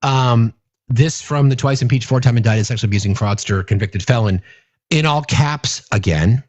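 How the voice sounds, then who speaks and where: A man's voice: mid-range voice, moderate pace, no room sound, muffled recording. Blunt, profane middle-aged man ranting. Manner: blunt, profane, confrontational, many restarts. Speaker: host. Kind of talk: ranting political commentary.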